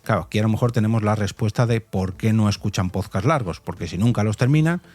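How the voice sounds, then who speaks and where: Speaking fast in a lowish, darkish voice, a Spanish-accented man from Spain hosts a podcast about survey results. He explains things in a conversational way and throws rhetorical questions straight at his listeners.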